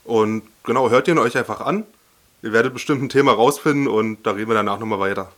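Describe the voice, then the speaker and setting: A young man in his twenties, from Berlin, sits in a radio studio as a guest. He talks in a relaxed, easygoing way, with small fillers as he explains. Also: mid-range voice, fast. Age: 20s. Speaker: workshop coordinator, radio guest.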